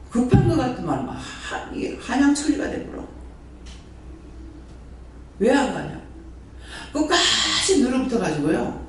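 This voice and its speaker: A high-voiced man preaches, his pitch leaping around as he hammers the congregation with the same rhetorical questions. The sound bounces around a very echoey hall. He stands well back from the mic, with faint noise underneath. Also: recorded from a distance. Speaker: prayer house director preaching. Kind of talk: sermon. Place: church hall.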